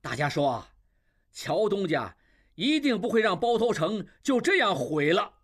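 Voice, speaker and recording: A man voicing a loud, urgent middle-aged shopkeeper who begs a merchant leader for help, his voice husky and swinging high. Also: heavily acted.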